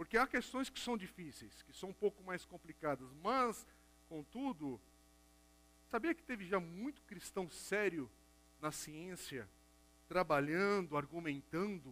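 Big swings in loudness and very wide pitch swings mark a high-pitched man who talks at a fairly slow pace with long, frequent pauses. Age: 50s. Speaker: pastor. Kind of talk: sermon.

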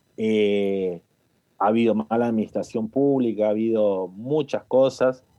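Delivered at a fairly slow pace, an unremarkable speaking voice keeps very even loudness and ordinary pitch variation. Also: man, fairly low pitch for a man. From Argentina (born in Algeria, moved at five). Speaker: DJ and music manager. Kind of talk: casual interview chat.

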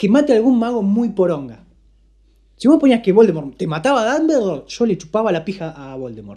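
A man speaks in a dark, mellow tone at a high pitch, with very wide pitch swings. His pace is fairly quick and his loudness shifts a lot. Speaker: podcast host. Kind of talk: casual chat.

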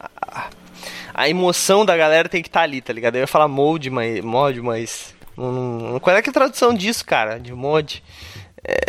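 A man at a fairly high pitch and a moderate pace, with lively intonation over noticeable background noise. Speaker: RPG streamer host. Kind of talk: casual live-stream chat. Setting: live stream. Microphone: audio feedback echo.

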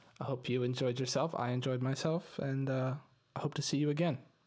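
The speaker is a man with a Canadian accent. His voice sits at a medium pitch. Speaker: podcast host and art student. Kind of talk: interview; scripted intro.

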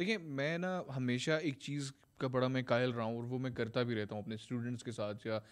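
A man talks in an ordinary speaking voice on a very clean recording with a silent background. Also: medium pitch for a man, ordinary pitch variation. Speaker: corporate trainer and motivational speaker. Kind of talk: casual interview chat.

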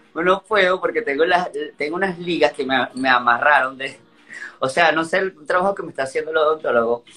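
A man speaks at a fairly quick pace in a high voice. His tone is bright and sharp. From Venezuela. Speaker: hairdresser. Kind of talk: casual chat.

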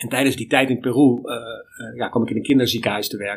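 A man speaks at a very fast pace. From Netherlands, Utrecht. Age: 40s. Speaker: plastic surgeon. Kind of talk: interview. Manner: hesitant, many fillers.

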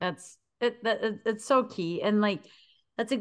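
In a Minnesotan accent, a woman talks at a fairly slow pace with a medium pitch. Her tone is playful. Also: quiet background. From US Midwest. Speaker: podcast co-host. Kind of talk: casual chat. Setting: home. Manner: playful, laughs often.

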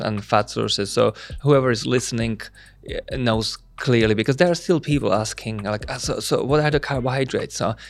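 A man talks at a moderate pace with medium pitch and ordinary pitch variation. The recording is very clean, with a silent background. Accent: Slovak. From Slovakia. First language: Slovak. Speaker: podcast host. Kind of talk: casual interview chat.

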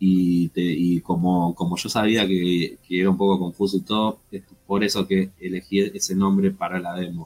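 Speaking at a moderate pace with hardly any pauses, a man's very deep, low voice stays monotone and flat. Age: 30s. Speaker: indie game developer. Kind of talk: interview. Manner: halting.

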